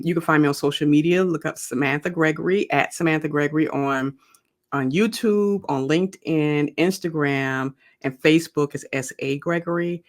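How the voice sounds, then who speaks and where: A woman author with a deep voice chats casually as a podcast guest in an interview, sounding conversational and often using "um" and restarting sentences.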